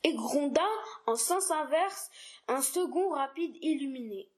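High-voiced woman reading a storybook. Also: animated, measured pace. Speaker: reader.

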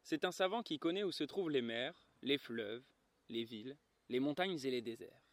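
A man voicing an old male geographer, a self-important scholar, in a measured way, in a dry recording. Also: mid-range voice, animated, no room sound, natural voice. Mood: lofty.

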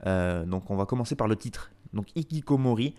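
A man with a fairly low voice hosts a music show from his home living room. He talks casually and loosely, pausing often with fillers, and drops wry, self-mocking asides along the way. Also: expressive, warm tone. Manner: chatty, hesitant with frequent fillers and wry asides. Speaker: radio show host.

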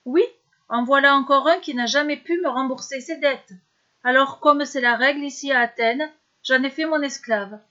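A haughty, scornful rich nobleman in a storybook reading, as a woman narrator puts him on. His voice sits high and he talks down with mocking arrogance. The recording is a little dull and lo-fi. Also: normal speed, pushed and bright.

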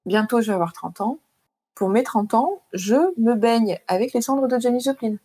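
A woman's voice: on the high side, normal speed, mellow. A woman in her thirties, an author being interviewed, talking in a thoughtful, searching way with frequent restarts, and reading a passage from her book. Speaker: author guest.

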